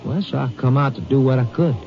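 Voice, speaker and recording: A man's voice: medium pitch, fast talker, music in the background, close to an everyday voice. A man with a rural American accent playing a plain-spoken, deferential ranch hand in a 1950s western radio drama, speaking in a hesitant, folksy way. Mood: uneasy, defensive. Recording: muffled, noisy old 1950s radio recording.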